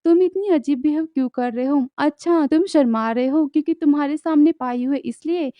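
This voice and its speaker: A woman's voice: high voice, normal speed, no room sound, highs cut off, close to an everyday voice. A woman voicing a caring, fussy mother in a drama recap. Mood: fussing. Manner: fussing, motherly.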